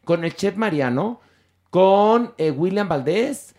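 A man's voice: sits high, expressive, takes it slowly, darkish tone. A man co-hosting a podcast, retelling gossip with teasing and laughter. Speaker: podcast co-host. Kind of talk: joking gossip chat.

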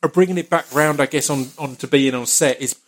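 Man, Essex accent, slightly high voice, podcast host, casual conversation, repeats words mid-sentence. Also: a little fast. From Essex, England. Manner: stammering repetition of words as he talks.

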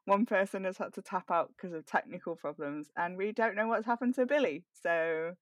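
A woman's voice: on the low side, normal speed, no room sound. A woman chatting casually and wryly as she hosts a group session. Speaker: host organising an audio drama table read. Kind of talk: casual chat.

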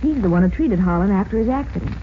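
An actress playing a pert, efficient American detective's secretary in a 1940s radio drama, teasing and direct. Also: female voice, mid-range voice, animated, fast, natural voice. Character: bright, teasing young female detective's secretary. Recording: muffled, hissy 1940s radio recording.

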